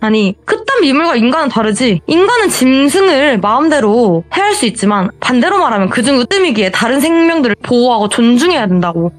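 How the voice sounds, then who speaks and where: A woman's voice: high-pitched, sing-song, a little fast, few pauses, no room sound, faint music behind. A woman voicing a fanatical, self-righteous young woman who mocks and preaches in a told horror story. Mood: defiant. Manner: mocking, preachy.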